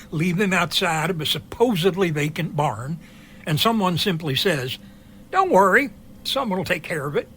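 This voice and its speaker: A man's voice: fairly high pitch, fairly bright tone. Wry, chatty pilot played by a man, noisy recording. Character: easygoing, curious older helicopter pilot. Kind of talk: amateur audio drama dialogue.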